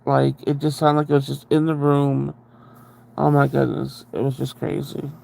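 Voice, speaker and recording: A man's voice: mid-range voice, little pitch movement, moderate pace, creaky, darkish tone, a little hiss or hum. A man hosting a casual livestream, chatting in a rambling way and greeting viewers, his voice nasal and congested from a cold, speaking very close to the microphone so his breathing comes through. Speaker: livestream host. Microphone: very close to the microphone, breathing audible.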